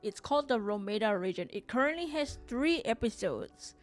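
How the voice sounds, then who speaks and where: A woman's voice: a little high, expressive, moderate pace. Chatty woman streamer rambling over faint music. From Singapore. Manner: chatty, rambling, reads chat aloud, frequent restarts and laughs. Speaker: livestream artist host. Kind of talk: casual live-stream chat while drawing.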